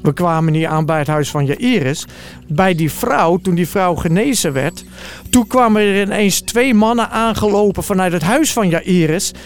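A man's voice: sits high, expressive, moderate pace. A man telling a Bible story in the first person as an eyewitness, in a vivid and earnest way.

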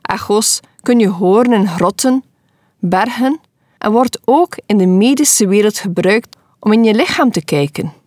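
A woman's voice: mid-range voice, expressive, a little slow, a little mellow, no room sound, clean studio sound. A woman hosting a short Christian devotional podcast, speaking earnestly and encouragingly as a wife and mother. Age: adult. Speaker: podcast host giving devotionals.

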